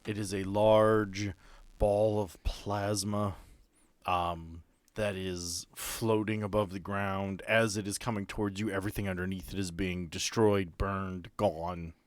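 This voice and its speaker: A man acting as game master, narrating a tabletop role-playing story deliberately, in short dramatic phrases. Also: deep voice, flat delivery, dry recording.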